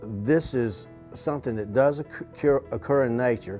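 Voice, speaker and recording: With an American accent and lively intonation, a man speaks over faint background music. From Southern United States. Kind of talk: local TV infomercial. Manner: casual, conversational. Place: shop.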